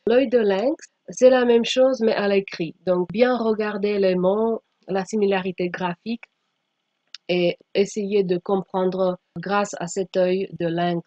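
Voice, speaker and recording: A woman giving a slide presentation as a teacher trainer, speaking haltingly with frequent pauses and sometimes reading aloud. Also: mid-range voice, fairly even intonation, warm tone. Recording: dull, echoey room sound.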